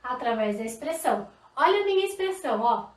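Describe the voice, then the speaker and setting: A woman from Brazil teaching a live online sign language class, lively and demonstrative. Her voice is high. It is picked up a little off-mic in an echoey room. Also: brisk, recorded from a distance. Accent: Brazilian Portuguese. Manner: lively, demonstrative, talks to viewers directly. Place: indoor room, live stream.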